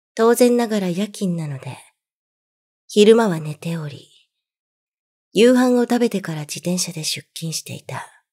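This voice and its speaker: On a very clean recording with a silent background, a woman speaks fairly slowly in a dark, mellow, somewhat breathy tone with lively intonation. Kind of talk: ghost story reading.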